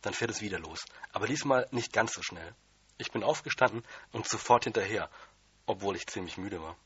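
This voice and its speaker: A man reads a children's story aloud in the first person, keeping his delivery plain and childlike. His voice is husky with a bright, forward edge and sits fairly low. The recording sounds dull and lo-fi, close and dry. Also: a little fast, no room sound. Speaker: audiobook reader.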